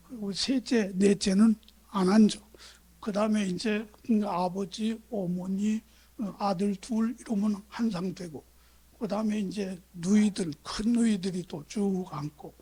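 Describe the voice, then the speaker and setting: A man's voice: sits high, darkish tone, breathy edge. A man from Chungcheong preaching a sermon as pastor, talking in a conversational, storytelling way and putting rhetorical questions to his congregation. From Chungcheong, South Korea. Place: church sanctuary.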